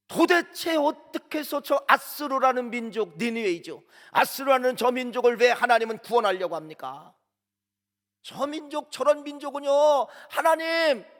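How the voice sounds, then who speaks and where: An angry prophet complains and protests in a high, indignant voice, as a preaching man puts him on. The words ring out through a church hall with long reverb.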